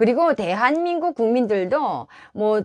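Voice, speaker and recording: A woman's fairly high voice with very wide pitch swings, dry and close with no echo. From North Korea, Pyongyang. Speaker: YouTuber, North Korean defector. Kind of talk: casual vlog monologue.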